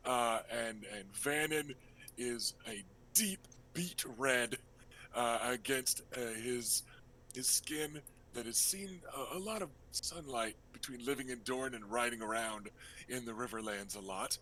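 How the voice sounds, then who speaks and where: A man working as game master, narrating a tabletop role-playing game in a casual, halting, improvised way. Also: medium pitch, bright, forceful tone, a little hiss or hum, rough recording.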